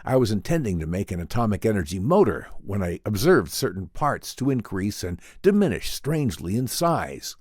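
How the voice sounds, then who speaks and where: Man playing an earnest, deep-voiced learned professor. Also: big pitch swings, darkish tone, slightly rough, dry recording, studio quality. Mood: explaining, intense. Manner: formal, explanatory, deliberate. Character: earnest, learned male professor and inventor, grave and measured. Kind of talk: dramatic audiobook reading in old-time radio drama manner.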